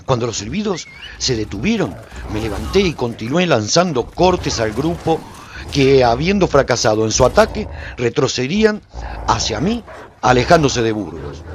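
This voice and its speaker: A man narrates a radio serial in the first person. His mid-pitched voice moves widely up and down, giving the scripted storytelling an intense, dramatic delivery. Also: a little hiss or hum.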